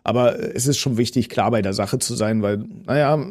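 A man's voice: mid-range voice, a little fast, a little mellow. A man in his thirties, an actor with a Berlin accent, chatting in an interview with many fillers and restarts. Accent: Berlin dialect. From Potsdam, Germany. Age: 30s. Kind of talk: interview conversation.

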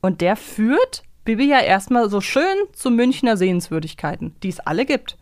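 A woman's voice: mid-range voice, animated, normal speed, dry recording. A woman with a standard German accent hosting a podcast, discussing and commenting casually. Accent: standard German, no southern dialect. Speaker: podcast host.

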